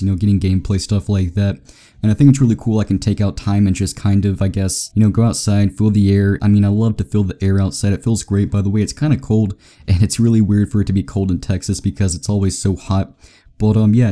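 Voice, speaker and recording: A man who is sick and a little raspy, chatting casually to his viewers in a rambling vlog update over gameplay footage. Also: on the low side, dark tone. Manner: rambling, chatty, many fillers. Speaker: gaming YouTuber.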